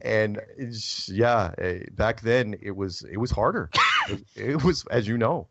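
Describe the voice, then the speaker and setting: A man's voice: lowish voice, measured pace. A man guest in a casual conversation, telling rambling anecdotes and acting out what people said. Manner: rambling anecdotes with animated quoted voices. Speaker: podcast guest. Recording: dull dry recording.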